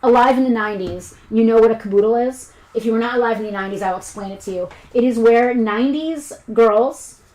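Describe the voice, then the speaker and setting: A woman from the United States co-hosting a toy shop live stream, chatting casually and rambling with quick self-corrections. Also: on the high side, a little mellow, reverberant, poor audio. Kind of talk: casual chat while selling items.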